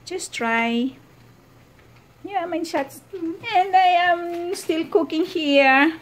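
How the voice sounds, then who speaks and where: Slow-talking Filipino woman vlogger. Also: very high voice. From Philippines. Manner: halting, mixes English, German and Filipino, often laughs. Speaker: vlogger cooking for her husband. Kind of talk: casual home cooking vlog. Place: home kitchen.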